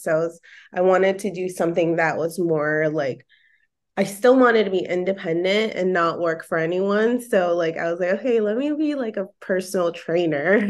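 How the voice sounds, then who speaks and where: A woman in her thirties, from Japan and the Philippines, with an American accent, chatting as a podcast guest over a video call from her living room, laughing often and filling with "like". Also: fairly low pitch. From Okinawa, Japan, and the Philippines. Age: 30s. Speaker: podcast guest, bikini bodybuilder and personal trainer. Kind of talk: casual interview chat. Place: home living room, indoors. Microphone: earphone mic on a video call.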